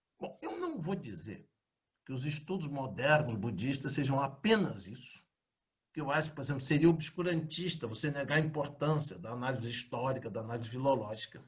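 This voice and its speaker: A somewhat breathy man speaks fairly quickly at a fairly high pitch with lively intonation. His loudness rises and falls sharply. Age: 60s. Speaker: professor. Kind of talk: interview. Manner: formal.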